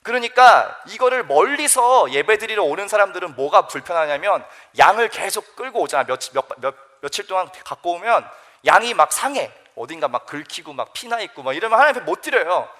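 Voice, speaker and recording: A young man, a youth pastor, preaching a sermon to teenagers in a lively storytelling way and asking them questions. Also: high-pitched, a little fast, hardly any pauses.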